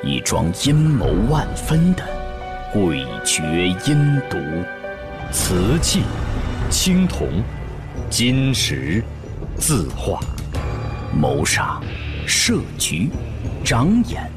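A man's voice: fairly low pitch, wildly swooping pitch, very slow, pauses often, over music. A man reading a dramatic scripted audiobook introduction as a trailer announcer.

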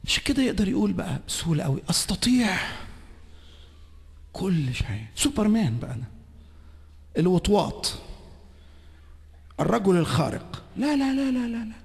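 A man with an Egyptian Arabic accent preaching a sermon at a conference, swinging between shouting and hushed whispers. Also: high-pitched, very animated, a little fast, vocal fry, pauses often, breathy edge, long reverb tail. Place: large conference hall.

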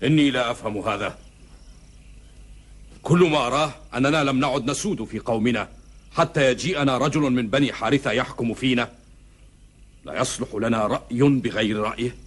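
An actor playing a proud, defiant middle-aged tribal rebel in a historical epic drama, declaiming in formal Arabic with challenging rhetorical questions. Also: male voice, mid-range voice, brisk, long pauses, slightly rough, close to an everyday voice. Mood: resentful, challenging.

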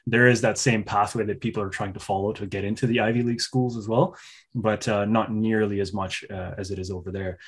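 A man's voice: fairly low pitch, fairly even intonation, brisk, husky. A man in his thirties from Pakistan, earnestly explaining his thoughts as a conversational interview host. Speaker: host, coach. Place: indoor room at home, on a video call. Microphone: video call.

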